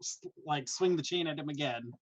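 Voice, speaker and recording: A man playing a tabletop game, explaining his moves in a halting, casual way. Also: fairly high pitch, low-quality recording. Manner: halting, many restarts while explaining moves. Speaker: player.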